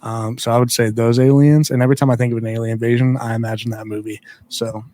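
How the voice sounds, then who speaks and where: A man's voice: medium pitch, flat delivery, quick pace, dark tone, no room sound. A man co-hosting a casual book club podcast, rambling and enthusiastic as he answers. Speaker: podcast co-host.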